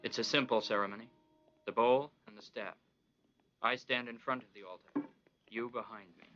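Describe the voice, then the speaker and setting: Treacherous condescending priest. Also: male voice, fairly low pitch, a bit bright, a little hiss or hum. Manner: condescending, commanding. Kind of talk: animated Bible drama. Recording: dull lo-fi sound.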